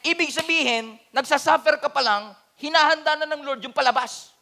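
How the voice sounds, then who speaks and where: A pastor from the Philippines with a Filipino accent, delivering an animated, humorous sermon that mixes Tagalog and English. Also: male voice, very high-pitched, normal speed, creaky.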